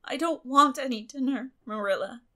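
Theatrical little girl for an audiobook, high breathy voice, super dramatic and wordy. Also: normal speed, pushed and bright. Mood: tearful, wounded. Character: dramatic, imaginative young girl, pleading and theatrical.

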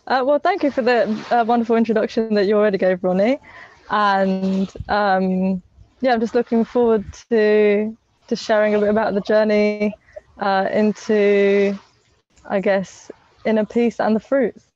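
A woman's voice: mid-range voice, fairly even intonation, unhurried, darkish tone. Young woman guest, casual and chatty, on a dull lo-fi video call line. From England. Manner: chatty, many restarts and fillers. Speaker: podcast guest. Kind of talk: casual interview chat. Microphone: earphone mic on a video call.

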